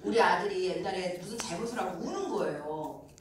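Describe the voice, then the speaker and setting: A middle-aged woman giving a sales seminar, telling stories with animated acted-out dialogue and frequent laughter. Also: on the low side, fairly quick. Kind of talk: business presentation with anecdotes. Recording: echoey room, mic at a distance, faint noise.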